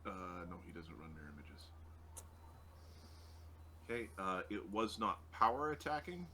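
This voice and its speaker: A man acting as game master of a tabletop roleplaying game, talking casually and haltingly as he works through rolls and numbers. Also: on the low side, very animated, bright, forceful tone, slight background noise. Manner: casual, halting while working out numbers aloud.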